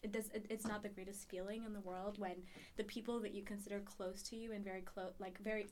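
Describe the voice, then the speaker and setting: A woman's voice: medium pitch, level tone, fast talker, darkish tone, a little hiss or hum. A woman in her twenties from Ethiopia, a student guest on a podcast, talking casually and searching for words as she reflects. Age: 20s. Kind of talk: casual interview.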